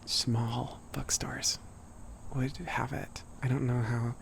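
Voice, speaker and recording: A young man voicing a sweet, shy giant cat boy in a soft, near-whispered ASMR roleplay, chatting gently and hesitantly to a small friend. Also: medium pitch, level tone, takes it slowly, creaky, a little hiss or hum. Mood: shy, helpful. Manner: gentle, hesitant, rambling, apologetic. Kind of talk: ASMR roleplay, casual chat to listener.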